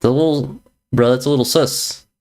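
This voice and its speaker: Reading chat on his chess stream, he keeps things casual and playful, teasing viewers and repeating slang jokes. The voice is medium-pitched and darkish, with a steady tone and a moderate pace.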